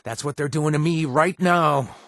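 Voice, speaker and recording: A man playing a flirtatious, wry ex-raider ally in a video game, with a husky voice and a hesitant, teasing delivery. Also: on the high side, normal speed, fairly bright tone, no room sound, clean studio sound. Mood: uneasy, earnest. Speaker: video game companion character.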